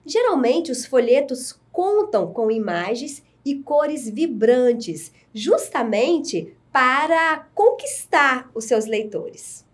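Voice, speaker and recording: Woman teacher, high voice, slow deliberate delivery, recorded lesson. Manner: slow, clear, deliberate explaining. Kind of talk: recorded adult-education lesson.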